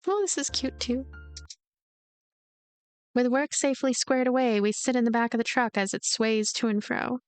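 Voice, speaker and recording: A woman reading a visual novel aloud and adding her own gentle commentary. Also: fairly high pitch, moderate pace, pauses often, clean tone, no room sound. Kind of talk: voiced game narration and commentary. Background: game music.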